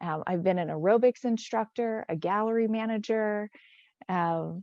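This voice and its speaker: Speaking in an American accent, a woman uses a plain, everyday voice. She talks at a moderate pace and a medium pitch. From US South (Gulf Coast of Alabama). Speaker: entrepreneur, company co-founder. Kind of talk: panel talk.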